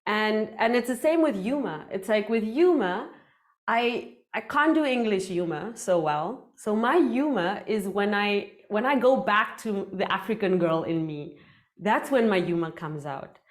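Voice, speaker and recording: Casting: thirties woman, native Afrikaans speaker, animated and playful coach, mid-range voice. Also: medium pitch, measured pace. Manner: animated, gestures a lot, playful. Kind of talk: workshop talk on public speaking. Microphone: headset mic.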